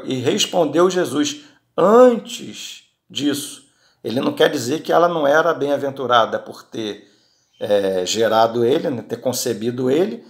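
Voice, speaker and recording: Guy preaching casually, kinda gravelly voice, keeps tossing in little tag questions. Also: mid-range voice. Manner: frequent tag questions and restarts. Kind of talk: informal Bible teaching.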